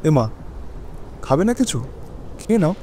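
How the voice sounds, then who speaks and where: An actor playing an anxious husband who narrates a horror audio drama in a brooding, dramatic way with halting phrases. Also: male voice, on the high side, big pitch swings, dark tone, a little hiss or hum. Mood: concerned, surprised. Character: anxious husband narrating his haunted stormy night.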